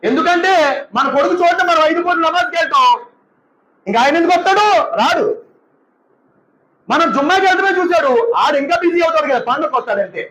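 A male imam gives a sermon in a strikingly high voice. He preaches with energy and acts out the people he describes. The room around him rings with echo. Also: fast talker, pauses often, slight background noise. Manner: animated, mimics congregants in asides.

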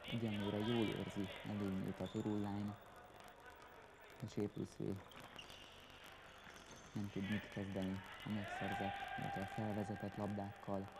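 A man giving live indoor football commentary, tersely calling players' names and getting excited at shots and chances. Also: fairly low pitch, creaky, pauses often. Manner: terse, names players as they get the ball. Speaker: sports commentator. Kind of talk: live Hungarian-league futsal match commentary. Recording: very noisy sports hall recording. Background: loud indoor sports hall ambience.

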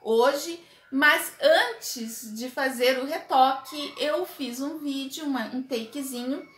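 A chatty woman talks to her camera in a small, echoey room, her voice sitting high and bright. She reviews a beauty product in a casual, animated way and gestures as she speaks. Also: slow pace. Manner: chatty and animated, gestures a lot while talking. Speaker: beauty vlogger. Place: small indoor room with makeup table. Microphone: camera at desk distance.

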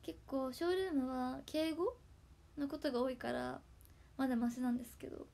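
Young woman, Hakata dialect, casual livestream chat from home, tablet mic, mellow dark tone, soft whispery asides. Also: high voice, brisk, vocal fry. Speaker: idol livestream host. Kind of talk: casual livestream chat thanking viewers for gifts. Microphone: tablet built-in mic.

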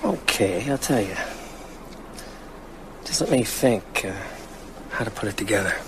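Radio drama brooding male writer: lower register, hesitant, reflective, haunted, with atmosphere behind the voice. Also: expressive, a little slow, noisy background. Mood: relaxed, intimate. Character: thoughtful, haunted male novelist confiding his fears. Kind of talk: naturalistic radio drama dialogue.

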